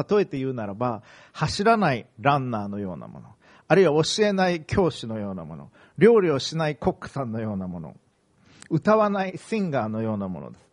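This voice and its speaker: A male pastor delivers a sermon in measured, deliberate phrases, pausing between thoughts. His voice sits a little high, and his pitch rises and falls in a lively way as he preaches.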